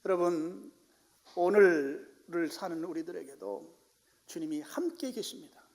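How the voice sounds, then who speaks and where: Brief: male pastor, high voice, dramatic sermon, loud to whispered, big church reverb. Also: unhurried. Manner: dramatic, swinging from loud exclamations to hushed whispers. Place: church sanctuary.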